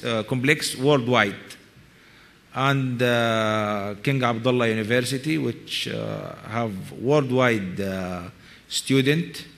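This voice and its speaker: A man speaking English, presenting as a panelist in a halting way, searching for words. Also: medium pitch, fairly bright tone. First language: Arabic. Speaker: conference panelist.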